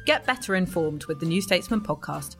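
A woman's voice: fairly low pitch, animated, fairly quick, a bit bright. A woman presenting a podcast in a scripted promo. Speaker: podcast host. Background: guitar music.

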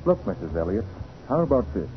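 An actor playing a confident, commanding detective with brisk, assured delivery in a 1940s radio crime drama. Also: male voice, on the low side, big pitch swings, slight background noise. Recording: muffled 1940s radio with music behind.

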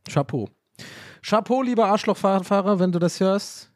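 A man's voice: sits high, unhurried, no echo. A man hosting a casual solo podcast who rambles and amuses himself, often restarting his sentences into a close mic. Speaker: podcast host.

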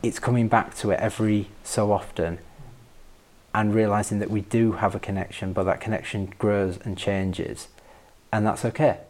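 A man in reflective personal conversation as an interview guest, thoughtful and halting, often repeating words. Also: fairly low pitch, little pitch movement, a little mellow.

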